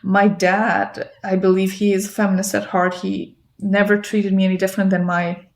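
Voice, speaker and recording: A woman from Afghanistan, a podcast guest and actress, speaking in a reflective, casual interview manner, often pausing with fillers and soft laughs. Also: mid-range voice, flat delivery.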